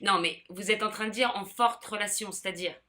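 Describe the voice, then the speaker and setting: A woman's voice: medium pitch, a little fast, bright, forceful tone. Dry, skeptical woman interviewer. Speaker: comedy YouTuber playing interviewer. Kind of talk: comic sketch interview. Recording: roomy echo.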